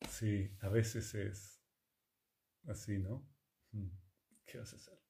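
A man, teaching yoga and conscious communication in a calm, reflective talk full of rhetorical questions. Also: lowish voice, slow, creaky, slight background noise. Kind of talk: reflective spiritual talk to listeners.

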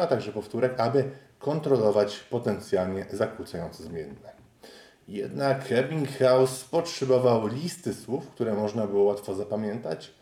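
A man giving a scripted, measured explanatory narration for an educational video. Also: mid-range voice, warm tone. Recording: roomy echo.

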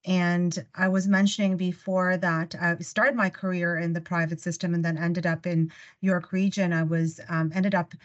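A woman's voice: lowish voice, little pitch movement, moderate pace. A woman whose first language is Russian, speaking eagerly as a guest on a discussion panel, with many restarts. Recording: muffled, lo-fi audio.

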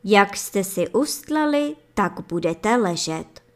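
A woman reading plays a rich lord in a fairy tale. He is stern and judging, and he gives slow, measured pronouncements. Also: mid-range voice, animated, close to an everyday voice.

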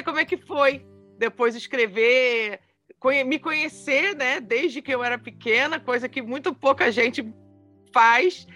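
A woman's voice: on the high side, bright, forceful tone. A woman hosting an interview podcast, encouraging her guest and talking with frequent fillers. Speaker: podcast host.

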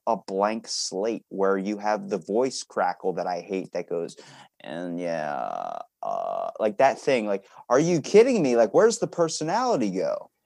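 A man's voice: mid-range voice, darkish tone, no echo, studio quality. A man hosting a podcast in a casual, rambling conversation, musing informally and telling little anecdotes. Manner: informal, musing, tells anecdotes with acted-out quotes. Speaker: podcast host interviewing a guest.

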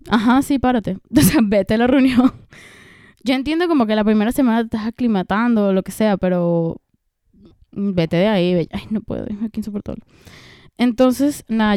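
Ranting woman, smooth and mellow. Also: fairly high pitch, no echo, studio quality. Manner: animated, ranting, swears freely. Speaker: vlogger reviewing a TV series. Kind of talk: casual chat.

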